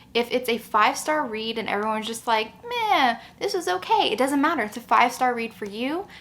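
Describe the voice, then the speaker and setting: A woman's high voice at a fairly quick pace, with lively intonation and hardly any pauses. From Louisiana, Acadiana (Cajun area). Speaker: book YouTuber. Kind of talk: casual vlog Q&A. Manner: fast; animated.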